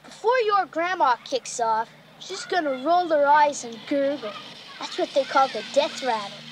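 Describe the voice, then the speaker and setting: A woman voicing a cocky, know-it-all schoolchild in an animated film. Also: high voice, normal speed, background noise.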